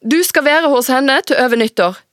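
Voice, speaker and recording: A woman's voice: sits high, expressive, a bit bright, dry recording, studio quality, voice pushed up. Woman doing a strained, exhausted mother. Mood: firm. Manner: tense, firm, holding back anger.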